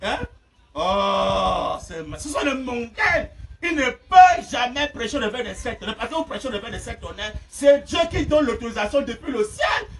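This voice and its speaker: High-pitched, shouting preacher. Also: male voice, lively intonation, normal speed. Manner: impassioned, shouting, laughing between phrases. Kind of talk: fiery sermon. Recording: distant mic with faint noise.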